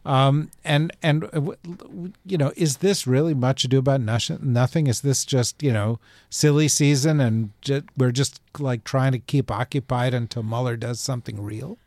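A man from New Jersey hosts a casual political panel, wry and joking, often stopping on fillers before he lands his point. His voice sits at an ordinary middle pitch and is recorded close and dry, with no room sound around it. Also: normal speed, few pauses, a little mellow, no room sound. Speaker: podcast host.

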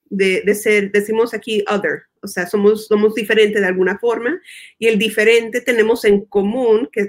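Female interview guest with a middle-range voice, thoughtful explainer who drops in English terms and repeats words as she thinks. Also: mid-range voice. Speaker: guest expert. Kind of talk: conversational interview. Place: United States.

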